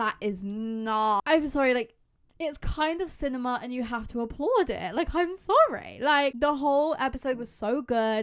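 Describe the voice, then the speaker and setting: In an English accent, a woman speaks at a moderate pace with a high, animated voice and lively intonation. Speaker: YouTuber. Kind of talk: casual chat.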